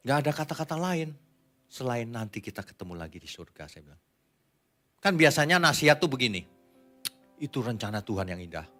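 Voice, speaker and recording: A male pastor with a bright, forceful voice delivers a casual, conversational sermon. He drops into soft asides, then rises sharply for emphatic points. Faint music plays behind him. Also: medium pitch, very animated, a little fast, long pauses.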